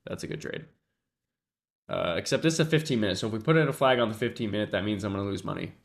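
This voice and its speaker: A man with a congested, sniffly nose gives loose live-stream commentary in a fairly low voice. He talks to his viewers at a desktop mic, musing aloud and letting his sentences trail off. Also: lively intonation, very fast, gravelly. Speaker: livestream trader. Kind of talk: casual livestream commentary.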